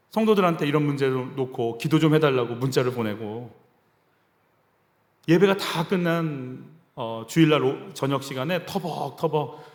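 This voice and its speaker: A man's voice: fairly high pitch, darkish tone. A male pastor giving a sermon in a conversational style, sometimes acting out quoted voices. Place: church sanctuary. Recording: reverberant church hall.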